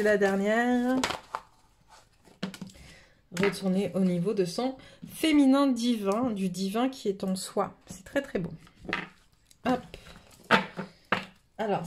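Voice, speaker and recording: A woman's voice: mid-range voice, normal speed, long pauses, background noise. A woman with a cold, giving a casual spiritual card reading, rambling with many fillers and restarts. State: has a cold. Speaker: tarot reader. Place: home table, camera above the cards.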